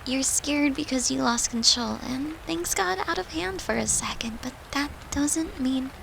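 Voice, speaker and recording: Woman acting as gentle reassuring girlfriend, comfort roleplay, soft-spoken, fairly high, unhurried, faint rainy noise behind. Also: creaky, exaggerated voice, rough recording. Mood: tender, reassuring. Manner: tender, reassuring, sighing, slow and hushed. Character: gentle, devoted human girlfriend soothing her demon lover.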